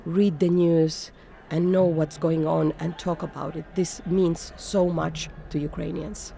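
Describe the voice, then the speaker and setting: A woman who grew up in Finland, a conductor speaking earnestly in an interview, often pausing and restarting as she searches for words. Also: low voice, fairly even intonation, vocal fry, warm tone.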